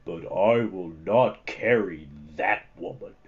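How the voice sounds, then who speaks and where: Storybook luck dragon, acted by a reader: huge, proud, booming and weighty, slightly dull recording. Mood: defiant, solemn. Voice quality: booming, resonant. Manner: slow, weighty, defiant.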